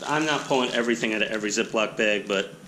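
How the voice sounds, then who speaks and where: A man's voice: fairly low pitch, fast, noisy background. A man with a nasal voice rambling casually and self-deprecatingly while unboxing a hobby kit on an action camera. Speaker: hobby channel host.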